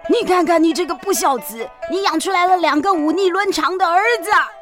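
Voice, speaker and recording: A woman voicing a stern, angry old grandfather in a bedtime story, scolding loudly. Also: high-pitched, lively intonation, moderate pace, music in the background. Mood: furious. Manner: indignant scolding, raised voice.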